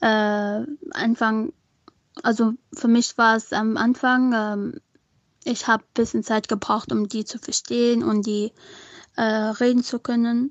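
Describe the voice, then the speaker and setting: A woman speaks very slowly at a fairly high pitch, with fairly even intonation and long, frequent pauses. Her loudness swings widely. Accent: Arabic. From Syria. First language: Arabic (speaking German). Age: 20s. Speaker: refugee. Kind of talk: voice message.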